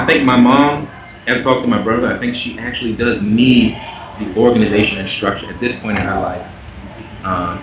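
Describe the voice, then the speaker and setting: Interview guest: earnest man with a low voice, recorded far off the mic in an echoey space. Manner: earnest, animated, rising in pitch when making a point. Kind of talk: candid conversational interview. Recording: echoey, muffled, noisy remote audio.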